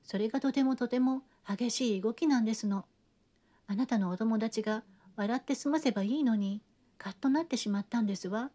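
A woman's voice: a little high, a little fast, dark tone, lightly acted. A woman voicing a gushing, genteel chatterbox lady. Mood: gossiping. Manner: gushing, breathless chatter with refined feminine endings. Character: chattering, theatrical genteel lady, middle-aged. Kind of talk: audiobook reading of a classic novel.

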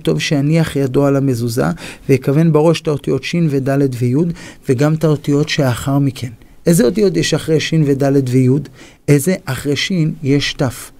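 Male rabbi, fairly high voice, animated sermon storyteller who acts out the dialogue.

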